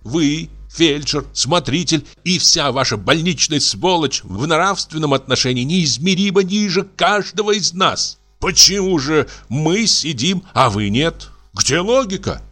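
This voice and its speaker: A bitter, enraged patient shrieks his accusations, his voice climbing high and sharp with contempt. A man voices him in an audiobook reading, with lively swings in pitch. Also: measured pace, faint music behind, exaggerated voice. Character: enraged male mental patient, shrill and bitter.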